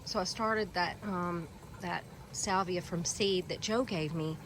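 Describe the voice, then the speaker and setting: A Southern woman with a slightly low voice and a congested, stuffy head cold talks through a casual garden tour. She rambles warmly with lots of ums and uhs, filming by hand as she walks outdoors among her plants. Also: a little slow, background noise. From Alabama Gulf Coast, US. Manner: chatty and rambling, many fillers. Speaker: gardening vlogger.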